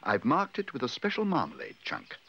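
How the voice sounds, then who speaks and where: A man's voice: medium pitch, huge pitch swings, fairly quick, gravelly, bright, forceful tone, husky, lo-fi sound, full character voice. A man voicing a polite, earnest, hopeful young bear in a children's storybook reading. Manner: courteous, eager, literal-minded.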